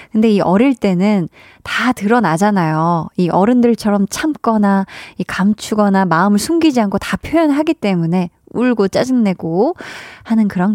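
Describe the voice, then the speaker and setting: A woman's voice: mid-range voice, darkish tone, dry recording. Chatty woman radio host, dry studio sound. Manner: chatty, laughs often. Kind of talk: radio show chat reading listener messages.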